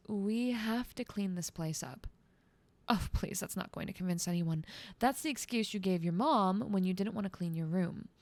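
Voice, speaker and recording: A woman's voice: a little high, a little mellow, no echo. A woman playing a motherly guardian angel girl in an ASMR roleplay, doting and coaxing with mild scolding. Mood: encouraging.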